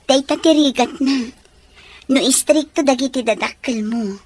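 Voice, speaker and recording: A woman's voice: high-pitched, normal speed, a little mellow. A woman playing a polite, humble young country woman in a Filipino audio drama, speaking with a Filipino accent. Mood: sympathetic. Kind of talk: Ilocano audio drama acting.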